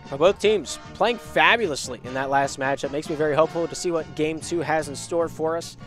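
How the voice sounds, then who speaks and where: A young man calls a live esports match in a slightly high voice, hoarse from a week of illness. His commentary is quick and lively, with energy that climbs on shots and goals. Faint music plays behind him. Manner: energetic, rising on shots and goals, chatty asides to chat.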